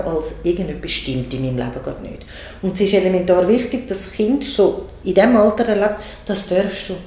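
A woman with a Swiss German accent talks calmly about babies and their needs. Her voice is mellow and warm, and she sounds patient and explanatory. The room around her has a noticeable echo. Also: medium pitch. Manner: calm, explanatory, acts out soothing words to a baby. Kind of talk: casual conversation.

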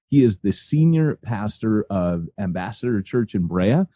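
Dark, lively male podcast interviewer. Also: on the low side, a little slow, dry recording, dull audio. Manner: playful, teasing.

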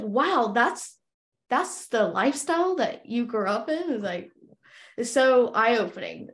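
Chatty young woman podcast host. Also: medium pitch. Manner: chatty, many fillers and restarts. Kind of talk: casual interview chat.

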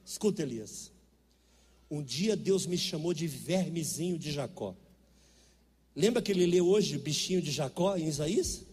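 High-voiced Brazilian preacher in a reverberant church. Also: male voice, expressive, normal speed, a little mellow, slightly rough. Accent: Brazilian Portuguese. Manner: storytelling, emphatic, conversational preaching. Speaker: pastor. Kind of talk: sermon.

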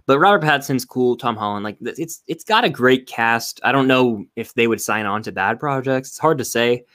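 A man's voice: medium pitch, expressive, brisk, fairly bright tone, no echo, studio quality. A young man co-hosting a podcast in casual chat, rambling and hedging with frequent "like". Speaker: podcast co-host.

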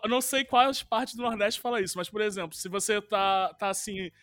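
Relaxed man, dry close sound. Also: high voice, a little fast, no room sound, soft background music. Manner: relaxed storyteller, laughs often. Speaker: podcast co-host. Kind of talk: casual chat.

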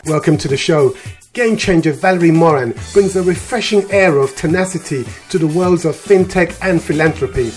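A man hosting a radio interview show, reading polished introductions and asking questions in a measured way. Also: on the high side, music in the background.

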